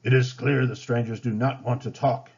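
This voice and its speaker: A man voicing a stern tribal chief and father in a storybook, solemn, grave and measured. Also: medium pitch, fairly even intonation, gravelly, a little mellow, slightly rough, muffled recording.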